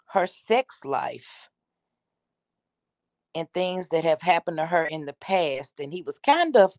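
Low-pitched woman, dry close sound, casual. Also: no room sound. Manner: conversational, opinionated, addressing listeners directly. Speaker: YouTube commentator, host. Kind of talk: casual opinion commentary to viewers.

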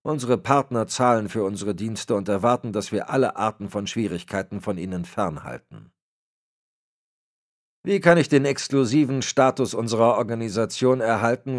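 A man voicing a frail, cold old crime boss who gives orders in a raspy voice. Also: fairly low pitch, pitched above the performer's own voice, lightly acted. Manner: cold, commanding. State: raspy, cracking voice.

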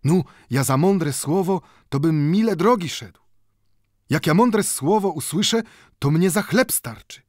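A man's voice: medium pitch, sing-song, unhurried, long pauses, dry recording, studio quality, voice pushed up. A man voicing an old Jewish bookbinder in an audiobook, speaking broken Polish full of "nu" and growing heated as he pleads. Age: older.

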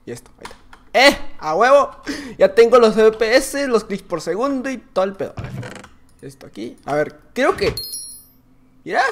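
A man with a Mexican Spanish accent giving casual, excitable gameplay commentary, full of slang, laughing and often shouting. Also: sits high, slight background noise. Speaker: gaming YouTuber.

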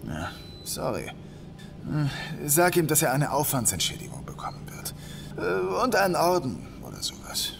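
A man's voice: on the high side, huge pitch swings, normal speed, gravelly, noisy background, exaggerated voice. An actor playing an idealistic young male police inspector, speaking earnestly and insistently in a German audio drama. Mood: curious, businesslike. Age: young adult.

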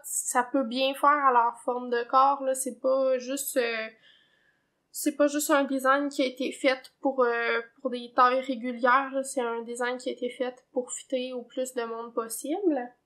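Québécoise woman host, high-pitched, chatty, filler-heavy, casual knitting vlog. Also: little pitch movement, unhurried, fairly bright tone. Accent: Québécois French. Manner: chatty, many fillers and hedging tags. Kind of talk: casual chat. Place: home, indoors.

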